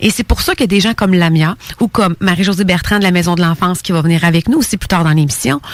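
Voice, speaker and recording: Here a woman speaks in a Quebec accent. Background noise is noticeable. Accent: Québécois French. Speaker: radio host. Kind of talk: radio talk show interview. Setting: radio studio.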